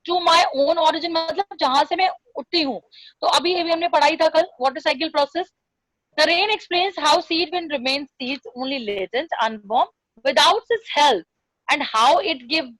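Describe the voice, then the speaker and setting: A woman's voice: sits high, fast, fairly bright tone, dry recording, rough recording. A woman with a South Asian accent teaching a poem in a classroom lesson, repeating phrases and questions for emphasis.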